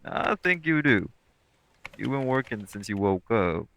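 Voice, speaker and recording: A man's voice: medium pitch, very animated, measured pace, vocal fry. A man playing a sweet, caring, teasing boyfriend in an intimate audio roleplay, speaking laid-back, coaxing slang with an African American Vernacular English accent. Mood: gently firm.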